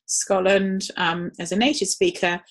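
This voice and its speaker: A woman's voice: medium pitch, flat delivery, measured pace. A woman giving a live webinar talk in a conversational way, with frequent ums. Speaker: webinar presenter.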